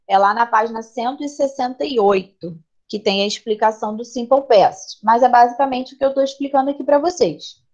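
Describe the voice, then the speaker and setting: A woman with a Brazilian Portuguese accent, teaching a class online and patiently explaining grammar while checking in with students. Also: a little high. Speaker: English teacher. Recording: slightly dull lo-fi audio.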